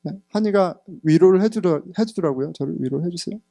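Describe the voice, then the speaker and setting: Pastor guy in his 30s preaching, somewhat high voice, swings loud then quiet, dry close mic. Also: fairly quick, creaky, no echo. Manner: candid storytelling, sometimes laughing, swings between loud and hushed. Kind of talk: sermon. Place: church sanctuary.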